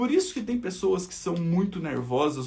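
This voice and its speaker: A man speaks in an animated tone with very wide pitch swings. Audible room echo surrounds his voice. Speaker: acupuncture teacher. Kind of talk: online lecture.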